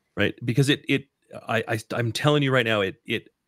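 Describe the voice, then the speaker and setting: The recording is very clean with a silent background and a dry, close sound with no echo. A man with an unremarkable speaking voice talks at a fairly quick pace and a medium pitch with ordinary pitch variation. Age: 40s. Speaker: IT leader, podcast co-host. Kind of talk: casual chat.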